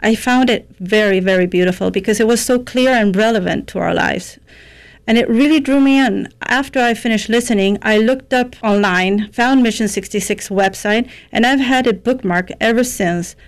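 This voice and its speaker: A woman reading a listener's letter aloud on a radio program in a warm, heartfelt way. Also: a little high, normal speed.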